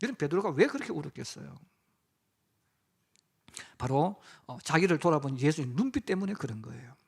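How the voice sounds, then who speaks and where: A man's voice: fairly high pitch, sing-song, a little fast, vocal fry, slightly rough. A middle-aged man preaching a sermon as pastor, acting out quoted lines in dramatic voices.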